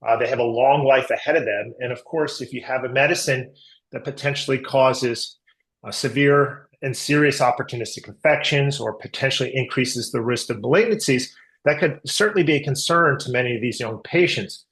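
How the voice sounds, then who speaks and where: Man, mid-range voice, company executive, earnings call answers, measured explaining, technical business jargon. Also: medium pitch, a bit bright. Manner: measured corporate explaining, medical and market jargon.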